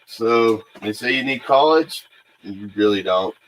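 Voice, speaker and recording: A man from the United States hosting a paranormal livestream, talking casually and off the cuff in a halting way with frequent pauses and filler sounds. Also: on the low side, animated, a bit bright, a little hiss or hum, rough recording. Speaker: host of a paranormal investigation livestream. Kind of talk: casual unscripted livestream talk.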